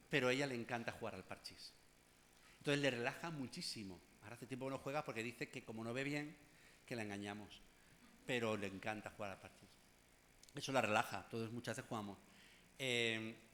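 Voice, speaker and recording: Chatty psychologist giving a workshop. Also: male voice, mid-range voice, a little fast, pauses often, bright, forceful tone, slight background noise. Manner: conversational, addresses audience directly with asides and humor. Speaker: clinical psychologist leading a workshop. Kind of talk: informal workshop talk.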